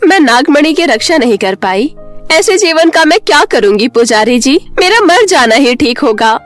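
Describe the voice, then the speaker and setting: A woman's voice: high voice, big pitch swings, moderate pace, soft background music. A woman voicing an anguished, devout serpent-woman mother in a storybook tale, pleading and sorrowful. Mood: worried, despairing.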